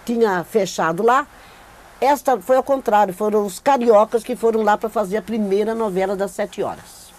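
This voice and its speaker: A woman's voice: mid-range voice, moderate pace, a little mellow. An older Brazilian actress recalling her career in a seated studio interview, telling it animatedly with emphatic repetition, recorded on a lapel mic. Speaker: veteran actress giving a testimony. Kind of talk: recorded oral-history interview. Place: indoor studio against a plain backdrop. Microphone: clip-on lapel mic.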